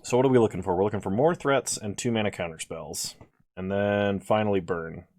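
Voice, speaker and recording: A man with a lowish voice muses through a card draft in casual gameplay commentary, sleepy and unhurried as he thinks aloud. The sound is dry and close, with no room around it. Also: darkish tone, no room sound. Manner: thinking aloud, musing over choices. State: sleepy, yawning. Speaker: video creator drafting cards.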